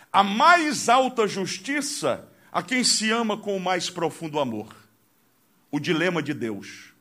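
High, lively preacher. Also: male voice. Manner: emphatic, questions the congregation, swings from hushed to shouting. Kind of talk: sermon.

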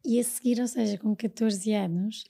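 A woman, interviewing in a gentle, prompting way. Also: on the high side, steady tone, normal speed, gravelly, breathy edge. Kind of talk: personal conversation.

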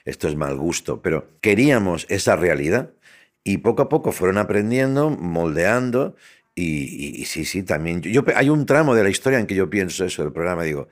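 A man's voice: low voice, a little fast. A man with a Catalan accent, a native Catalan speaker, telling stories as a guest in an interview and acting out the voices of the people he quotes. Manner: animated storyteller who acts out quoted voices. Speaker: interviewee, TV entertainer. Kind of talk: storytelling in an interview.

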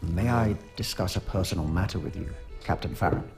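A solemn alien warrior with a low, weighty voice. The speech is measured, formal and troubled, in the manner of science fiction audio drama, with music clearly underneath. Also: male voice, darkish tone. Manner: formal, measured, stilted wording.

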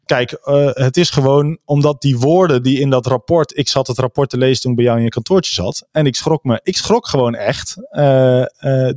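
A man talks in a thoughtful, halting way, often pausing on fillers and restarting his sentences. His voice sits in a middle register. The sound is close and dry, with no room around it. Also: mid-range voice, a little mellow, dry recording. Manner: hesitant, many fillers and restarts. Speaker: guest discussing a report. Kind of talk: casual conversational discussion.

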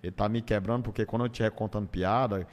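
A fast-talking man with a lowish voice and steady tone tells stories casually as an interview guest. He's a stand-up comedian with a northeastern Brazilian accent whose colloquial style acts out bits and repeats phrases, heard through long hall-like reverb.

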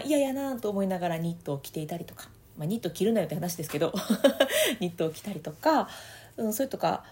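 A woman with a Kansai accent talking casually on her solo podcast, laughing often between phrases. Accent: Kansai Japanese. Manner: animated, swoops up and down in pitch. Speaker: audio podcaster and voice coach.

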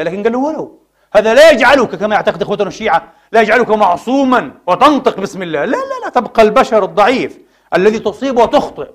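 Male preacher, high and rapid, fiery rhetorical sermon delivery. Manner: impassioned, rhetorical questions to the congregation. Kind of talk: Friday sermon. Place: mosque.

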